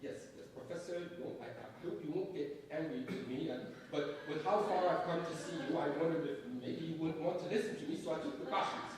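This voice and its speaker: A man's voice: a little high, fairly even intonation, brisk, few pauses, lightly acted. An actor playing a fanatical young gunman in a dramatic staged reading, mock-polite and bullying. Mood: mock-polite, tense. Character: fanatical young male gunman menacing a professor. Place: theatre space at a staged reading. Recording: echoey hall, distant mic, faint noise.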